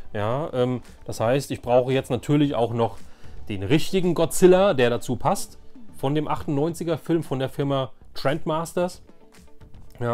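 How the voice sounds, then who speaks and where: A man's voice: mid-range voice, a little mellow. A man in his forties chatting casually and unscripted as he shows off a collection, hesitant and meandering but enthusiastic. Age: 40s. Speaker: toy collector and video host. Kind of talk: casual unscripted show-and-tell.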